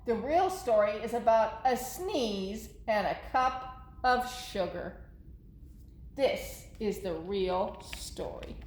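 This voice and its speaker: A woman's voice: on the high side, lively intonation, slow, a little mellow, echoey room, a little hiss or hum. A woman voicing a storybook wolf who chattily protests his innocence as he tells his side. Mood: aggrieved, confiding. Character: self-justifying folksy wolf telling his side.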